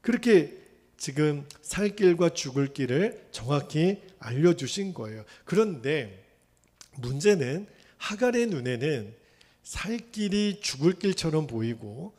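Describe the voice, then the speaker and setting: A man preaches in a church, his voice pitched a little high and ringing out with a long hall echo. He acts out the quoted lines and keeps asking rhetorical questions. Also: big pitch swings, measured pace, a little mellow. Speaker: pastor. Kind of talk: sermon. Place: church sanctuary.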